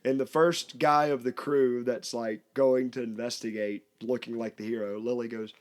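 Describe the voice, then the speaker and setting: A man's voice: medium pitch, flat delivery. A man in his thirties hosting a podcast, telling long rambling stories and laughing at himself. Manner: rambling storyteller, self-mocking, quick to laugh. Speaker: podcast host. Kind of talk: casual chat.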